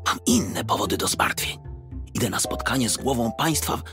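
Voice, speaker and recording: A man's voice: medium pitch, very animated, normal speed, music in the background, natural voice. A man voicing a grumbling, easily flustered detective who hesitates, in a children's audiobook. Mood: indignant. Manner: hesitant, stammering.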